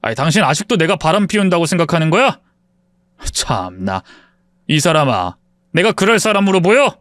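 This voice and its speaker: A man voicing an earnest, soft-hearted husband who swings from anger at a friend to humble apology. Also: fairly high pitch, very animated, moderate pace, no room sound, studio quality. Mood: sheepish. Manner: angry then humbly apologetic.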